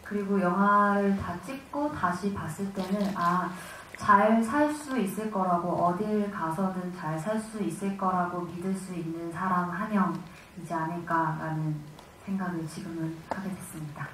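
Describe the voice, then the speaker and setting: A woman's voice: on the low side, normal speed, a bit bright. An actress giving reflective answers about her work at a press conference. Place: cinema auditorium. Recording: echoey hall, distant mic, faint noise.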